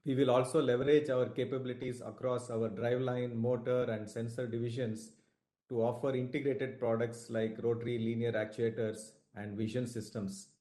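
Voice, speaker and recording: A man speaks as a company executive presenting on a conference call. His delivery is formal and deliberate, with a mid-pitched voice. The sound has an obvious room echo. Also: level tone, warm tone. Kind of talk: prepared earnings call presentation. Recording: roomy conference call audio.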